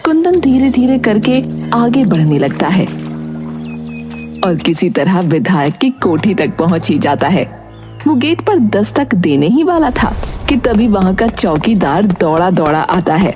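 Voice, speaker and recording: A woman's voice: mid-range voice, big pitch swings, unhurried, music in the background. A woman narrating a scripted moral story.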